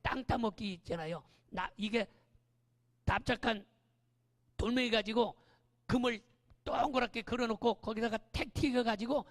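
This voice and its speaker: A male pastor preaching a lively sermon in a church, often raising his voice and prodding the congregation with quick questions. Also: very high voice. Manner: animated, often shouting, keeps asking the congregation "eh?". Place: church sanctuary. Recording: long church-hall reverb.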